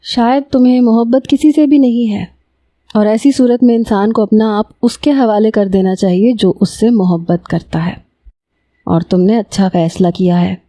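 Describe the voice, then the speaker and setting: A woman voicing a calm, kindly young male lawyer with gentle, measured speech. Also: mid-range voice, no echo, studio quality, lightly acted.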